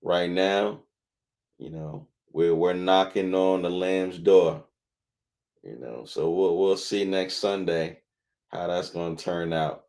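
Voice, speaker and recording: A man co-hosting a casual sports podcast, laid-back and unhurried as he talks. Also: sits low, a little mellow. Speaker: podcast co-host.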